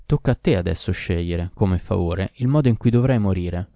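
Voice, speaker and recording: Vengeful ancient male jinn, as a man reads him, storybook, proud, solemn, mellow low voice. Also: moderate pace, vocal fry, dry recording, studio quality. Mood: menacing.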